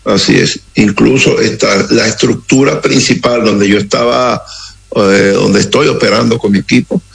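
This is a middle-aged Venezuelan man with a deep, gravelly voice, full of vocal fry. He speaks slowly and gravely, pausing often and choosing his words as a guest on a radio interview. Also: steady tone, low-quality recording. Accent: Venezuelan Spanish. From Caracas, Venezuela. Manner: slow, halting, grave. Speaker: interview guest, security operative.

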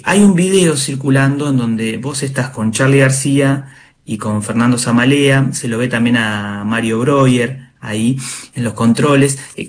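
Man, Argentine accent, interviewer, medium pitch, conversational, wordy phrasing with hesitant pauses.

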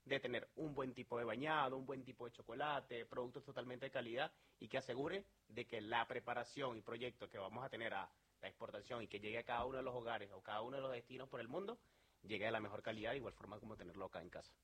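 A man's voice: mid-range voice, quick pace, fairly bright tone, husky. A man from Venezuela with a Venezuelan accent, talking earnestly as a sales manager in an interview, with many fillers and restarts.

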